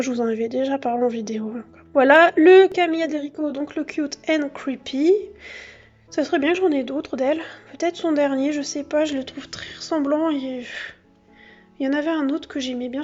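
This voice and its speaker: A woman's voice: sits high, a little mellow, muffled recording. A woman vlogging casually from her home office. She chats as she shows her collection, with many fillers and self-corrections. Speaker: craft vlogger. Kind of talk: casual show-and-tell vlog. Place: home office under yellow artificial light.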